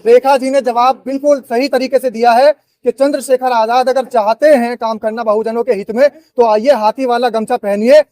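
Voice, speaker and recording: A man interviewing a guest, asking brisk, probing questions. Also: extremely high pitch, fairly even intonation, dark tone, dry recording.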